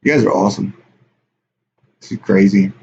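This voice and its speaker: A man's voice: on the low side, moderate pace, creaky, warm tone. A man hosting a casual live stream, rambling offhand and reading viewer chat aloud. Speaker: livestream host. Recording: dull lo-fi stream audio with faint hiss.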